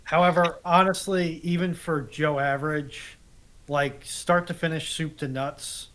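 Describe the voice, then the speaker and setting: A man's voice: a little high, fairly even intonation, unhurried, a bit bright, a little hiss or hum. A man bantering casually as a panelist on a live stream, wry and mock-exasperated.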